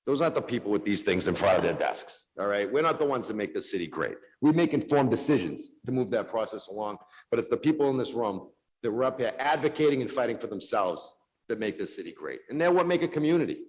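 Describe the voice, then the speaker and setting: Exasperated low-voiced councilman. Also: lively intonation, quick pace, rough recording. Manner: forceful, exasperated, rhetorical. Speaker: city councilor. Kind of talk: council floor speech. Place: council chamber.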